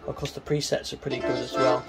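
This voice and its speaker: A man giving a casual, hands-on synthesizer demo, explaining informally and a little haltingly as he works. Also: medium pitch, level tone, vocal fry. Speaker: synthesizer demonstrator and reviewer. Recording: synthesizer music behind the voice. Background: synthesizer sounds and music.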